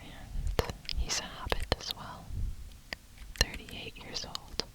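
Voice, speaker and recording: A person whispering close to the ear in an unvoiced ASMR tutorial style, with deliberate delivery, as a programming instructor. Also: poor audio. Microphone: close ear-to-ear stereo microphone. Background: computer keyboard typing.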